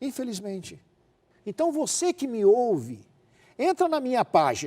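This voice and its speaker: A man speaks at a fairly slow pace in an extremely high voice with a dark, mellow tone and very wide pitch swings. The recording is very clean and dry, close with no echo, over a silent background. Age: 60s. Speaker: constitutional law expert. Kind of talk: TV interview.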